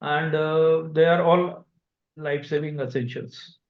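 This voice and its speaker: A man with an Indian accent answering investors as a company executive on a conference call, speaking haltingly with pauses mid-sentence. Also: fairly high pitch, fairly even intonation. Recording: dull, echoey conference call audio.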